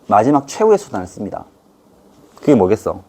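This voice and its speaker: A middle-aged man teaches history to students in a playful, chatty way. His voice is a bit husky, and his pitch rises and falls with lively energy. He keeps slipping into short put-on voices to act out scenes. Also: a little fast. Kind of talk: lively online history lesson.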